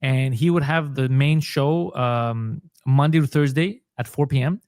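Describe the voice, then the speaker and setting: Unhurried and a little mellow, the Montreal comedian and podcaster speaks in a mid-range voice as he shares his story in a casual interview, acting out the dialogue he quotes. The sound is studio quality, with no room sound.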